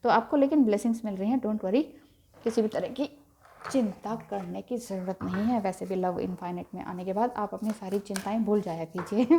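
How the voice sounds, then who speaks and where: A woman giving a gentle, reassuring tarot reading and mixing in English phrases. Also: mid-range voice, a little hiss or hum. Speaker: tarot reader.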